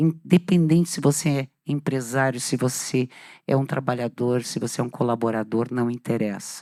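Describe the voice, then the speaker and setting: Animated in tone, the speaker goes at a fairly slow pace in a very clean recording with a silent background. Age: 60s. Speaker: business owner, panelist. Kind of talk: panel talk.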